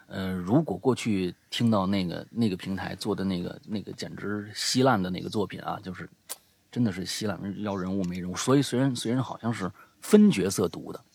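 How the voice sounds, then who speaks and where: A man hosting a show, chatting casually and promoting it, with a gravelly voice and a habit of repeating phrases for emphasis. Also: low-pitched, fairly quick, a little mellow. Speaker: show host and audio storyteller.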